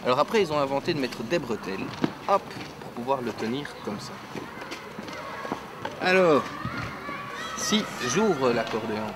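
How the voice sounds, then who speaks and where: A man's voice: mid-range voice, lively intonation, moderate pace, long pauses, heavy background noise. A man who plays the accordion, explaining to an audience how the instrument works in a chatty, hands-on way and often ending his sentences with "hein". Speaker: accordion player teaching an audience. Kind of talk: lively hands-on demonstration. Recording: accordion music heard behind.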